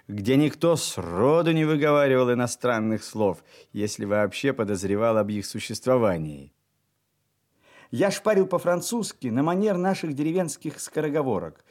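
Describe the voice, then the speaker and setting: Male audiobook reader, reflective literary narration, lively pitch. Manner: reflective, lively varied intonation, soft drops in volume.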